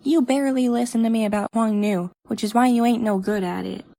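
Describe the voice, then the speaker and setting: Stern sister, voiced by a woman, lots of vocal fry, folksy scolding, dry recording. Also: on the high side, fairly even intonation, fairly quick, warm tone, no room sound. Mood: stern concern. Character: stern, protective twin sister and fighting teacher.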